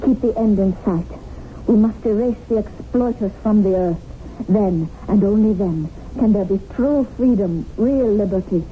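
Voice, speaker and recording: A woman's voice: medium pitch, normal speed, close to an everyday voice. An actress playing a fervent, unyielding woman revolutionary in a radio drama, speaking in an earnest, insistent, rhetorical way. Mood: fervent, persuading. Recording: narrow-band, noisy old radio broadcast.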